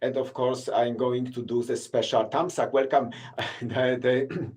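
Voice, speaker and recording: Brief: Polish male guide, mid-pitched voice, chatty live-stream host, non-native English, hesitant with lots of fillers. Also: steady tone, darkish tone. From Poland. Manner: halting, many fillers and restarts, non-native grammar. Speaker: city tour guide and vlogger. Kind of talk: casual live-stream chat with viewers.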